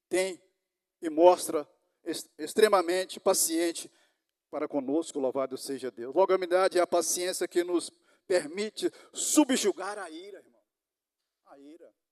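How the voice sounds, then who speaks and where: A high-pitched man with big swings in loudness, a fairly slow pace, long, frequent pauses, and a dry, close sound with no echo. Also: ordinary pitch variation. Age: 60s. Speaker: lay preacher. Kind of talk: sermon. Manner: halting.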